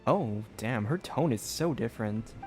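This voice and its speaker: Very low-voiced woman streaming a game. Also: expressive, a little slow, loud music behind the voice. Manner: musing, reacting aloud. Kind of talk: casual livestream commentary.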